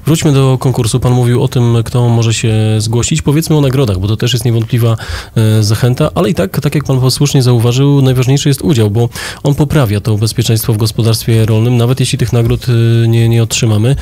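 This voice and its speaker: A man hosting a radio interview and asking steady, probing questions from a studio. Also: mid-range voice, brisk. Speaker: radio host.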